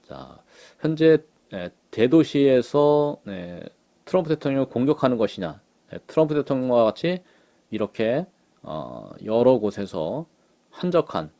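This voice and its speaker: A man giving unhurried political commentary on pictures. He fills his talk with frequent short affirmations. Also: medium pitch, sing-song, creaky, dark tone. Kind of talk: casual commentary on images.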